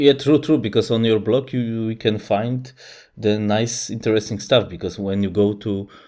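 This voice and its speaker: With a Polish accent, a man speaks in a dark, mellow tone at a fairly low pitch with ordinary pitch variation. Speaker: podcast host. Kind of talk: casual interview. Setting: remote call. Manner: halting.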